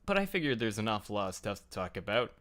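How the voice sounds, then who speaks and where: A man with a smooth, clear voice hosts a casual online hangout. His pitch moves around in an animated way as he rambles through jokey, self-deprecating asides. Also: fast talker. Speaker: host of a fan livestream talk show. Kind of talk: casual group chat. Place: home computer setup, online group call. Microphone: headset.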